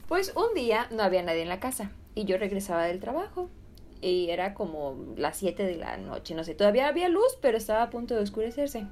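A woman with a Mexican accent telling a ghost story as a podcast co-host, animated and laughing often. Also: medium pitch, fairly quick. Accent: Mexican Spanish.

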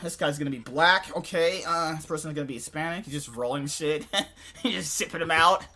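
A man's voice: on the high side, a little fast, pushed and bright. A man in his twenties hosting a podcast, joking crudely and laughing often in casual chat. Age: 20s. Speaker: podcast host.

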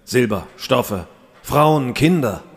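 A man's voice: mid-range voice, animated, slow pace, gravelly. An actor playing a grave, indignant medieval king in an audio drama, speaking in a solemn, declamatory way.

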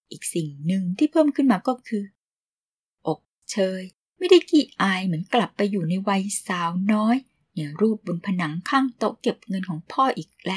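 Woman reading a romance novel aloud, slightly husky. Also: mid-range voice. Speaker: audiobook narrator.

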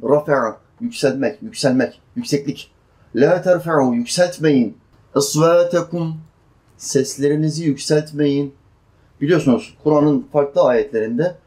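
Slowly chanting Quranic verses and then unpacking them in everyday language, a preacher delivers a sermon in which he asks his listeners questions and answers them. He has a fairly high, slightly mellow voice.

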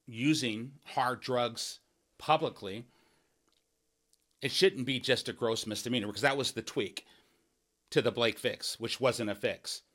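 A man's voice: mid-range voice, bright, forceful tone. A man running for office, talking through his policy plans in a podcast monologue. He speaks earnestly and emphatically, restarting phrases and tossing in "right?" asides. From Washington State. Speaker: political candidate hosting a podcast.

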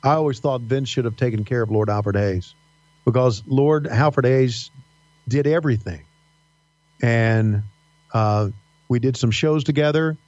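A middle-aged man with a faint Southern American accent, telling stories as a podcast guest, halting with many fillers and restarts. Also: medium pitch, a little mellow, no echo. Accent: slight Southern American. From Virginia mountains. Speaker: podcast guest, wrestling announcer. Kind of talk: casual interview storytelling. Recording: dull dry podcast audio.

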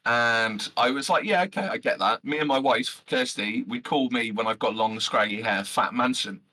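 A man, a loud and brash podcast guest talking passionately with lots of fillers and some swearing. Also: medium pitch, moderate pace. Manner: animated, swears freely, many fillers. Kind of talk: passionate casual chat.

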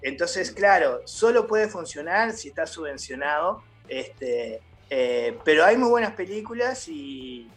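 Casting: middle-aged Uruguayan man, a little high, halting guest chat over faint music. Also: sing-song, creaky. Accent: Uruguayan Spanish. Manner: hesitant, many fillers and restarts. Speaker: theatre company founder, guest. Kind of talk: casual interview chat.

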